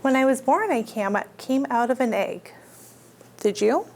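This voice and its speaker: Reading picture books to young children as a storytime librarian, a woman speaks in simple terms and puts questions to her listeners. Her voice sits high and is animated yet unhurried, a little mellow with vocal fry, over slight background noise.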